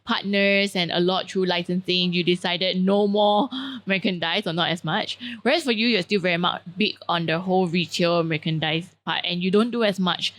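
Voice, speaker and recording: A woman moderating a business panel, summarizing clearly and calmly. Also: on the low side, normal speed, few pauses.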